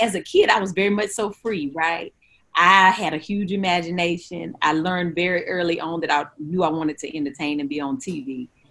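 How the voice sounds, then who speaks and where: Speaking in a North Carolina accent, a woman has a bright, sharp, animated tone, a fairly low pitch and ordinary pitch variation. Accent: Southern US (North Carolina). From US South, small-town North Carolina. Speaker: content creator and actor. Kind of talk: interview.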